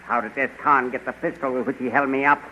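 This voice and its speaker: Muffled old radio recording with faint noise, villainous king, piercingly forceful, scornful, commanding. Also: medium pitch, steady tone, fast talker. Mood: grimly satisfied. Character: domineering, suspicious villainous usurper king. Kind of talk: 1930s radio serial acting.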